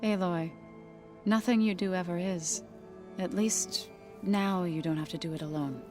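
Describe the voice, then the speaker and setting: A woman acting a gentle tribal warrior woman in a video game. She speaks in a fairly low voice, formal and deliberate, solemn and devoted, with music clearly behind her. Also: close to an everyday voice. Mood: solemn, caring.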